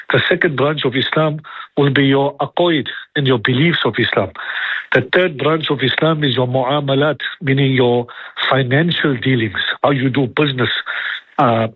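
A man's voice: mid-range voice, fairly even intonation, moderate pace, slightly rough, no room sound. A man giving a religious lecture as a preacher, repeating himself, listing point after point and asking rhetorical questions. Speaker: Islamic preacher. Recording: tinny phone-like radio line.

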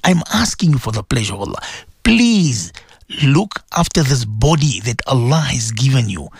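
Man, middle-aged, radio host, emotional, pleading, lively pitch, dry close sound. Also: normal speed, breathy edge, no room sound. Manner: emotional, pleading, repeats himself. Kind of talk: religious radio talk to listeners.

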